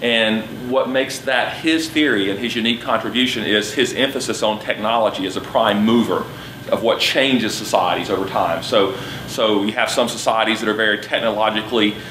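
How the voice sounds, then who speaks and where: Amid audible room echo and noticeable background noise, a man with a Southern US accent speaks at a medium pitch and fairly quick pace with fairly even intonation. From US South, Atlanta. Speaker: sociology professor. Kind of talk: lecture. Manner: hesitant, many fillers.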